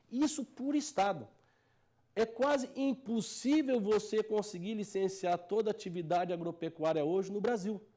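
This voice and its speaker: Brazilian guy teaching a class, kinda high voice but mellow, earnest, keeps repeating stuff to make the point. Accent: Brazilian Portuguese. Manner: earnest, drives points home with repeated phrases. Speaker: technical advisor giving a lecture. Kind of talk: explanatory lecture to farmers.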